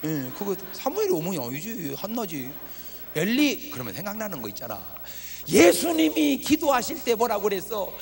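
A man's voice: high-pitched, wildly swooping pitch, normal speed, gravelly. A male pastor preaching at a revival meeting, joking and quizzing the congregation with questions. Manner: humorous, teasing the congregation with questions. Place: church hall at a revival meeting. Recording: reverberant hall from a TV broadcast.

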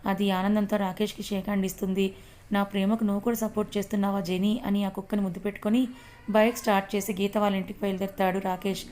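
Fast, flat woman storyteller. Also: medium pitch. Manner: brisk, even reading. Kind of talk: scripted story narration.

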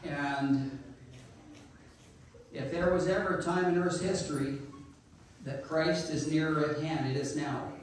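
Loud folksy man in an echoey hall. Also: a little high, steady tone, unhurried, long pauses, slight background noise. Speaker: church speaker. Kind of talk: informal sermon talk. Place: church sanctuary. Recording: echoey church hall, distant mic.

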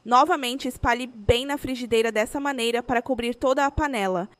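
A woman's voice: a little high, fairly quick, no echo. A woman with a Brazilian Portuguese accent, reading a scripted recipe voice-over as host.

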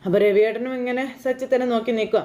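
This recording is lo-fi, and the woman's voice in it is a little high and mellow, steady in tone and very fast. She chats her way through a TV serial episode, repeatedly turning to the listener with fillers.

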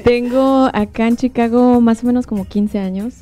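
Mellow-voiced Mexican woman, a studio guest. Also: fairly high pitch, fairly even intonation, moderate pace. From Guanajuato, Mexico. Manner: friendly, slightly nervous. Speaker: interview guest. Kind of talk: casual conversation. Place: small TV studio. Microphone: handheld mic.

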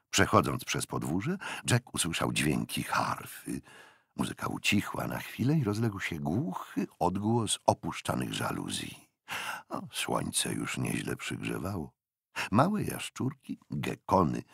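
A man's voice: a bass voice, creaky, slightly rough, no room sound, studio quality. A man narrating an audiobook expressively and performing its characters. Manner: expressive storytelling, many character voices. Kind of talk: scripted narration.

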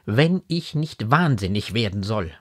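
A man's voice: lowish voice, big pitch swings, unhurried, breathy edge, full character voice. A man voicing a desperate young noblewoman in a classic novella reading, pleading in lofty, impassioned phrases. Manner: impassioned, elevated classical diction.

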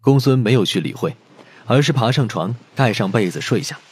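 A man's voice: medium pitch, lively intonation, fairly quick, a little hiss or hum. A man reading a novel aloud as a dramatic audiobook narrator.

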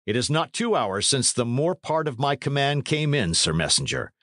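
A man's voice: mid-range voice, very animated, moderate pace, fairly bright tone, no room sound, clean studio sound, voice pushed up. A man reading a storybook as a blustering, imperious medieval knight who barks orders in archaic speech. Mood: brisk, commanding.

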